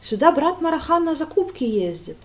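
A woman voicing a hot-tempered, blunt young woman who speaks loudly and high. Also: sing-song, fairly quick. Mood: worried. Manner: loud, indignant, outspoken.

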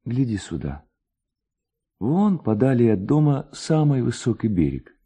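A man's voice: medium pitch, very animated, a little slow, dark tone, husky. A man voicing a young village lad telling eerie legends with dramatic, suspenseful tenderness in a literary audiobook. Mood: mysterious, dramatic.

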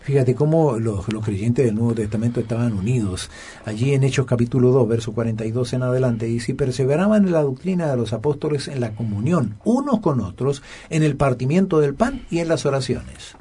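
A man's voice: mid-range voice, expressive, a little fast, mellow, breathy edge. A man co-hosting a Bible study program, speaking earnestly and emphatically, with fillers and repeated words. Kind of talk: conversational Bible study dialogue.

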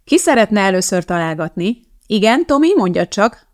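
A woman's voice: mid-range voice, very animated, lightly acted. A woman voicing a strict, irritable schoolteacher who scolds her class in an audiobook. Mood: stern. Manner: scolding, bossy.

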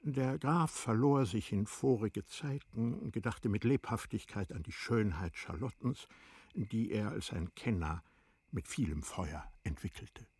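A male narrator with a deep, husky voice tells a classic story for radio drama. The delivery is measured and formal, recorded very dry and close. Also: darkish tone, no room sound. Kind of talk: scripted literary narration for a radio play.

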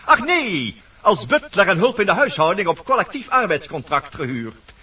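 A man's voice: sits high, very animated, normal speed, bright, forceful tone, slightly rough, full character voice. A man voicing a talkative, fussy woodpecker who narrates theatrically in a radio play. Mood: chatty, confiding. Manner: theatrical, addressing audience, fussy. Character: talkative, lively woodpecker, protective leader and narrator. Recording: dull, distant vintage radio recording.

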